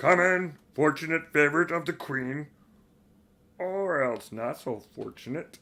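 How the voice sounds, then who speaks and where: A man puts on a character voice, growling. His pitch sits fairly high. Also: fairly slow pace. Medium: read story. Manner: menacing.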